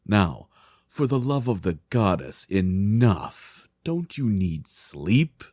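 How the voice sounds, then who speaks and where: Man acting a deep, weary fantasy king. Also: sing-song, takes it slowly, darkish tone, husky, no echo, clean studio sound, exaggerated voice. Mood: weary, exasperated. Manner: courtly, exasperated, firm. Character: weary, dismissive male monarch with courtly manners. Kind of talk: fantasy audio drama acting.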